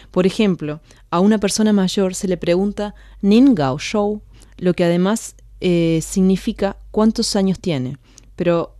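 Woman co-host, engaged and conversational, warm lowish tone, dry studio mic. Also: dry recording. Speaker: co-host, learner. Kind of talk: language lesson, repeating words and chatting.

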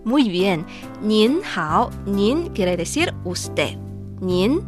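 A woman from China whose first language is Chinese teaches and co-hosts a radio language lesson, speaking slowly and carefully as she drills pronunciation. Her voice is medium-pitched with big swings in pitch, heard over music.

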